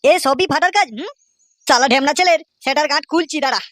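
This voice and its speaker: A man's voice: very high voice, fast talker, sharp tone, no echo. A man voicing an indignant, hot-tempered village father in a comedy cartoon, blustering and scolding crudely. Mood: furious. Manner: blustering, foul-mouthed scolding. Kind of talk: Bengali comedy cartoon dubbing.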